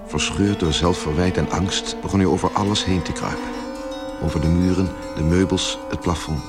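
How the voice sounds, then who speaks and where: An actor as the grave storyteller, giving measured literary narration in a radio play. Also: male voice, deep voice, lightly acted. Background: music.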